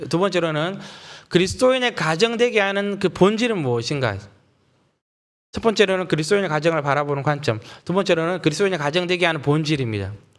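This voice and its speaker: A man talks at a very fast pace with a high pitch and lively intonation. The recording is very clean, with a silent background. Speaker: guest pastor. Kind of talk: sermon. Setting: church. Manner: strong intonation, not soft.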